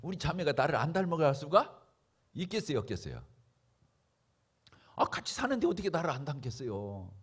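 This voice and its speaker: Animated Korean pastor preaching. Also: male voice, a little high, fairly quick, pauses often, breathy edge. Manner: emphatic, rhetorical questions to the congregation. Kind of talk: sermon.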